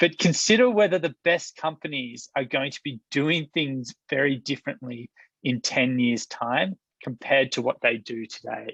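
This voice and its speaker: A man with an Australian accent, ordinary pitch variation, and a dry, close sound with no echo. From Australia (Wagga Wagga, NSW). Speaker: company CEO and co-founder. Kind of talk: webinar presentation.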